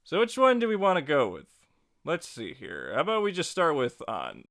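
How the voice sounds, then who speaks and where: A man hosting a software tutorial, narrating casually in a playful, chatty, wry way. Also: fairly high pitch, huge pitch swings, normal speed, dry recording, studio quality. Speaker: tutorial host.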